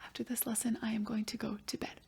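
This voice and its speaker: A woman voicing a young girl student in a whispered role-play, giving soft, short answers to lesson questions. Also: fairly high pitch, little pitch movement, fast talker, gravelly, breathy edge, exaggerated voice.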